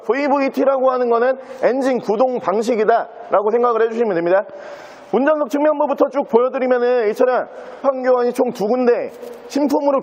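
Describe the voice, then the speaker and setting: A used-car dealer with a very high-pitched voice walks around a vehicle, giving a smooth, practised sales pitch. The sound is a little mellow and lo-fi.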